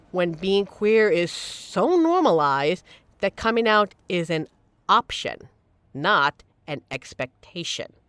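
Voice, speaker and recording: A woman's voice: mid-range voice, fairly bright tone, clear, resonant tone, no room sound. A woman playing a supportive, playful young queer friend in an audio roleplay, talking casually and earnestly to reassure the listener.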